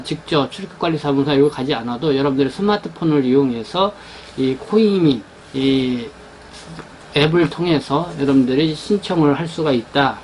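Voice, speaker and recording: A man presenting his newspaper's pages in an unscripted rundown, talking haltingly with many fillers and restarts. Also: fairly high pitch, slight background noise, rough recording. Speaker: newspaper editor presenting the issue.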